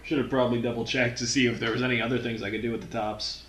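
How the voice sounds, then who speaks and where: A man's voice: mid-range voice, little pitch movement, racing, fairly bright tone, a little hiss or hum. A man hosting a gaming channel, rambling and laughing as he comments while playing. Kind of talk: casual let's-play commentary. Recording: roomy, with game music behind.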